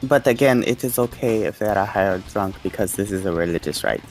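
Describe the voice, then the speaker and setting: A man's voice: on the low side, brisk, darkish tone, faint music behind. A man playing a tabletop role-playing game, talking casually as a player. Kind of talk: casual game chat, some in-character narration.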